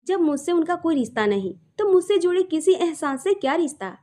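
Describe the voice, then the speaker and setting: A woman's voice: very animated, fairly quick, mellow. A woman voicing a heartbroken young woman who blames herself, asking pained questions through tears. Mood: resigned. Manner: pleading, questioning, rising pitch when upset. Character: heartbroken young woman, tearful, self-blaming.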